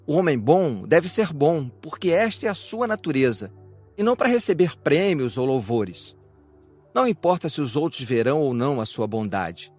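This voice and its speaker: Male reader, slightly high voice, declamatory spiritual narration, music bed behind. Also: big pitch swings, normal speed, a little mellow. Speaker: audiobook reader of a spiritual lecture. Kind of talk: scripted narration, reflective religious discourse.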